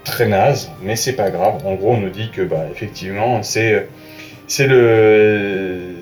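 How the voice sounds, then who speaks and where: A man hosting a casual spoken review, talking straight to the listener in a relaxed, halting way with lots of fillers and restarts. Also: lowish voice. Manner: hesitant, many fillers and restarts; informal, talks directly to the listener. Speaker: host reviewing a film's box art. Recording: echoey room with faint music.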